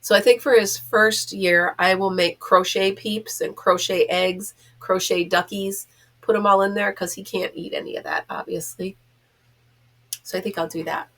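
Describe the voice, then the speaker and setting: Grandmotherly woman, stuffy pinched-nose sound, casual vlog chat, rambling, self-deprecating, medium pitch. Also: fairly even intonation, normal speed, a bit bright. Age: middle-aged or older, a grandmother. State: stuffed up from being sick. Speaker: host of a crochet vlog.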